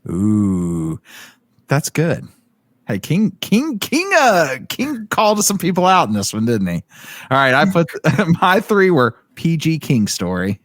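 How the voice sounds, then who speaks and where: A man hosts a relaxed book club podcast and throws in "dude" and "bro" as he goes. His pitch rises and falls a great deal, and the close, dry sound has no room echo in it. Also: slow pace. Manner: laid-back, says "dude" and "bro". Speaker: podcast host. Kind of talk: casual book club chat.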